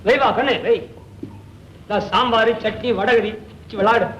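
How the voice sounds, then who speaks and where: Teasing comic rickshaw puller; high, sharp voice, roomy old film sound. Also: male voice, steady tone. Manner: teasing, rapid wisecracks. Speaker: comic side character. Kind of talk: 1960s film comedy acting. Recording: echoey old film soundtrack with faint hiss.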